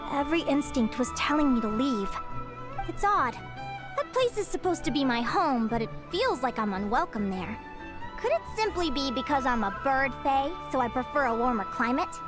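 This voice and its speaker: A high, curious young bird fae. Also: female voice, expressive, moderate pace, music in the background. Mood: wistful. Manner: articulate, eager and wistful. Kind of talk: video game voice acting.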